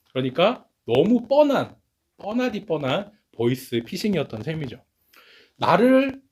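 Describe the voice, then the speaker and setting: A male pastor delivers a sermon with a slightly husky, breathy edge to his voice. His pitch sits a little high for a man and swings widely as he tells stories. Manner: lively storytelling, acts out quoted speech.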